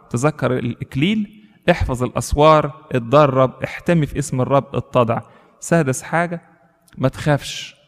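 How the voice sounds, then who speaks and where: A man's voice: medium pitch, long reverb tail. A man with an Egyptian accent preaching a sermon to a congregation, emphatic and exhorting. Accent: Egyptian Arabic. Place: church.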